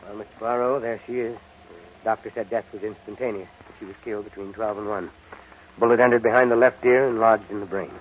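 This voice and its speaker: An actor playing a gruff, no-nonsense ship's captain in an old-time radio drama, brisk and blustering. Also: male voice, on the low side, fairly even intonation, lightly acted. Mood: businesslike. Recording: muffled, noisy old radio recording.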